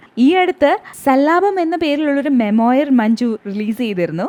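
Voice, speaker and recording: A woman's high voice moves through very wide pitch swings against noticeable background noise. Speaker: entertainment news presenter. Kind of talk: entertainment news voice-over.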